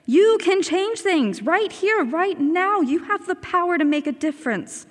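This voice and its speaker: An earnest, persuasive woman reporter in a radio drama, played by an actress. Her voice is high and lively. A long reverb carries it. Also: measured pace. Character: earnest adult woman interviewer recording a story.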